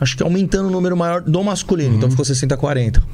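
A man is speaking. Room echo is audible. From São Paulo, Zona Norte. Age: 30s. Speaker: personal trainer and bodybuilder. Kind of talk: casual chat.

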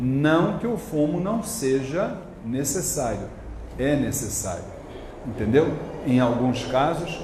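Over noticeable background noise and audible room echo, a man with a fairly high pitch and lively intonation speaks very slowly, with long, frequent pauses. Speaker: Umbanda spiritual leader. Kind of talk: religious Q&A talk. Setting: temple with live audience.

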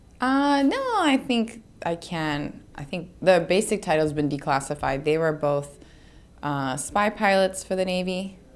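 A woman with an American accent speaks with very wide pitch swings over noticeable background noise. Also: medium pitch for a woman, fairly slow pace. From Northern Virginia, US. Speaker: language teacher. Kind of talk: casual interview chat.

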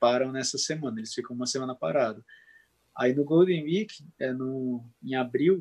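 A man speaks fairly slowly, his medium pitch showing ordinary variation. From Brazil. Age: 20s. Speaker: factory worker living abroad. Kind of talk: casual chat.

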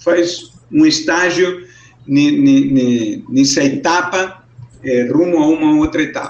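Over noticeable background noise, a man with an Argentine accent talks very slowly at a fairly high pitch, using ordinary pitch variation and very even loudness. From Argentina, Buenos Aires. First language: Spanish (speaking Portuguese). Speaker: economist. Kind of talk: interview. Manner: halting, with frequent repetitions.

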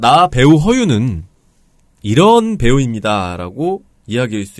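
A man talks with very wide swings in pitch. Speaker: podcast co-host and actor. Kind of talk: casual chat. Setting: studio.

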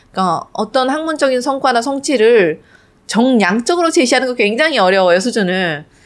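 Loudness stays very even while the pitch makes very wide swings. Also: woman, high pitch for a woman, fairly quick pace. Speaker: physicist who builds satellites. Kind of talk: interview.

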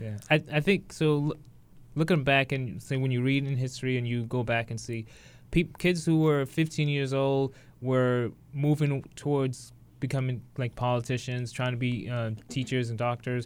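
In an unremarkable speaking voice, a man with an American accent talks at a moderate pace, his medium pitch following fairly even intonation. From Boston (Dorchester). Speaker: podcast co-host. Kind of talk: casual interview.

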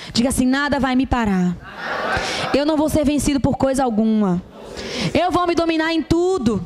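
A woman's high-pitched voice with lively intonation, very even loudness and a moderate pace, amid noticeable background noise and audible room echo. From Brazil, Rio de Janeiro. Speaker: pastor. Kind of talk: sermon.

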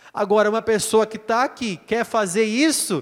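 A man talks at a moderate pace. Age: 30s. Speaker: pastor. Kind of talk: bible study sermon.

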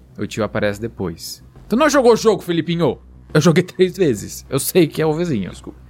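Over music in the background, a man with a fairly high pitch and animated tone talks at a fairly quick pace, his pitch swinging very widely and his loudness shifting a lot. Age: 20s. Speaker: podcast co-host, biology student. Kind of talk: casual chat.

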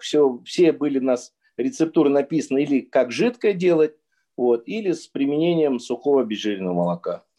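With lively intonation and a dark, mellow tone, a man speaks at a moderate pace. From Penza region and Sochi, Russia. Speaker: dairy company head. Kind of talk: casual interview.

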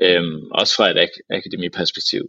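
A man speaks at a very slow pace. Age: 20s. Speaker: university student and football fan. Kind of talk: casual chat. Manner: halting, many fillers and repetitions.

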